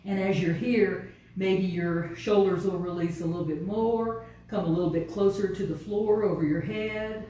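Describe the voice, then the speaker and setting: Woman yoga teacher, mellow voice, calm unhurried cueing, heard from across a very echoey studio. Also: mid-range voice, slight background noise. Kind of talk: guided yoga class instruction. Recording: distant, very echoey studio room.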